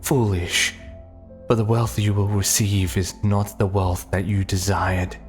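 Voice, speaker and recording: Man voicing a deep, slow, sinister cult leader. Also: flat delivery, soft background music, close to an everyday voice. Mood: cold, scornful. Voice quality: deep, haunting. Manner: slow, solemn, archaic, menacing. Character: sinister commanding male cult leader in doe mask.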